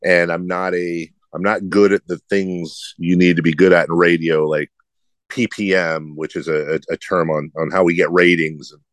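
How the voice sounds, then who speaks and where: A man's voice: low voice, little pitch movement, normal speed, no echo. A middle-aged man who hosts sports radio, with a slight lisp and a nasal, droning voice, answering interview questions in a rambling, self-deprecating way.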